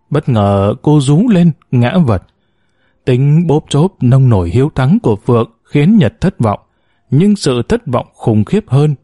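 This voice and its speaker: Male story narrator, expressive reading voice with a lively, wide-moving pitch and a mellow, warm tone. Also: no echo, studio quality. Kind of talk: scripted narration of a short story.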